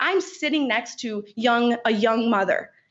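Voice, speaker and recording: A woman is speaking. Her intonation is lively. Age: young. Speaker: public commenter. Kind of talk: public comment at a meeting. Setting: county board meeting. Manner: impassioned.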